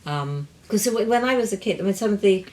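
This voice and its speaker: A middle-aged woman, a perfumer hosting a casual chat, explaining ingredients in a lively, chatty way with asides. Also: mid-range voice, quick pace. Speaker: perfumer and show host.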